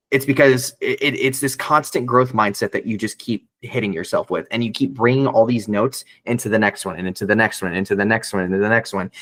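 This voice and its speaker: A man's voice: a bit bright, no echo. A man who is a voice actor, talking casually in an interview, rambling with many restarts and fillers. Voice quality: some bass in the voice. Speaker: voice actor guest.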